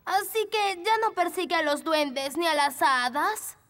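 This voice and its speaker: A woman's voice: very high voice, animated, unhurried, fairly bright tone, full character voice. A woman playing an eager, inquisitive young elf boy in a children's cartoon, with a Latin American accent. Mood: curious. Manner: inquisitive, wide-eyed. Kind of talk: dubbed children's cartoon acting.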